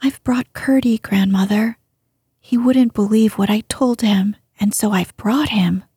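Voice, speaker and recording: A woman voicing an eager, earnest young princess girl in a breathy, whispered delivery. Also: mid-range voice, measured pace, mellow, dry recording, clean studio sound.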